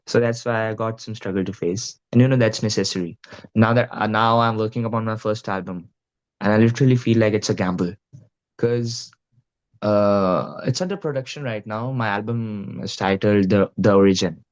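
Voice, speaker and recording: In a casual interview, a young man with an Indian Punjabi accent, appearing as a guest musician, speaks earnestly and sprinkles in plenty of "you know" and "like." His voice is somewhat low and his speed normal, and the audio sounds dull.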